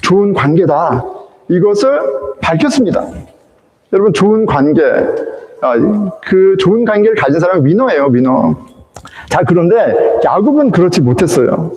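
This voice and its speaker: Male pastor for an animated sermon; high, swooping delivery in a reverberant sanctuary. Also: moderate pace. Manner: animated storytelling, acting out quoted characters. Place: church sanctuary. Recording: echoey church hall.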